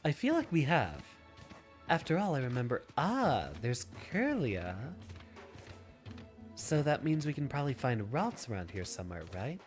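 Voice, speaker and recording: Lively stuffy-nosed man streaming a game. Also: medium pitch, moderate pace, faint music behind. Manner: easygoing, musing aloud, reads out chat questions. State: stuffy nose, slightly nasal. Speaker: streamer playing a video game. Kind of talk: casual game stream chat, answering viewers.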